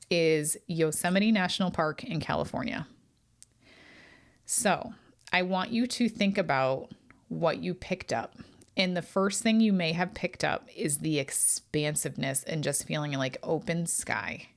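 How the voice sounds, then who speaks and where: A woman hosting her podcast as a medium, talking through a remote viewing reveal in an earnest, eager way, with many ums and restarts. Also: on the low side. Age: adult with children.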